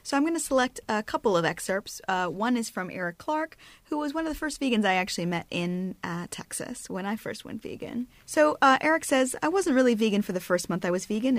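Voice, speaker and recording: A woman's voice: medium pitch, no echo. A woman hosting a podcast in a casual, chatty way, reading listener excerpts aloud. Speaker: podcast host. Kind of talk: casual chat.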